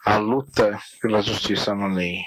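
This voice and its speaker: A middle-aged man giving an academic lecture as guest speaker, halting and often restarting words as he searches for phrasing. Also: on the low side, steady tone, fairly bright tone. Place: large lecture hall. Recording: echoey hall from a room mic.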